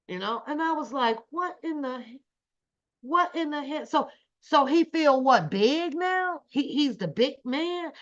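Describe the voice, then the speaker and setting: Higher-voiced American woman on a lo-fi livestream. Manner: repeats phrases for emphasis, indignant. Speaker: livestream host. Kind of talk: casual live commentary on video clips. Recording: dull, lo-fi livestream audio.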